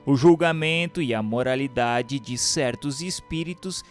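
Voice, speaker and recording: A man with a Brazilian accent reading a doctrinal book aloud as a narrator, in a formal, measured, didactic way. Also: mid-range voice, soft background music. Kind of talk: scripted audiobook narration of a doctrinal text.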